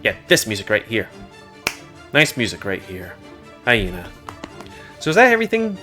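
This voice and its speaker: A man's voice: on the low side, huge pitch swings, moderate pace, sharp tone. A man giving casual, rambling and crude commentary while playing a video game. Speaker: gaming YouTuber. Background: game music.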